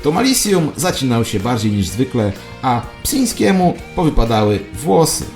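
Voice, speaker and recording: A man's voice: medium pitch, sing-song, moderate pace, a little mellow, pitched above the performer's own voice. A man playing a paranoid, self-important conspiracy believer, telling his saga in a dramatic, confiding way as satirical audio drama narration. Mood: excited, smug. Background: music.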